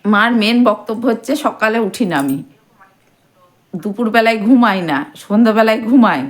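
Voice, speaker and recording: A woman's voice: fairly high pitch, moderate pace. A middle-aged woman chatting casually to her viewers at home, teasing and affectionate, talking to camera on a phone. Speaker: vlogger. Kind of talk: casual home vlog chat. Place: at home, bedroom and kitchen.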